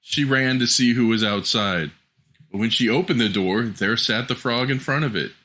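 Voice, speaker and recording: A man narrating a scripted fairy tale as a storyteller, in a measured, expressive way. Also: medium pitch.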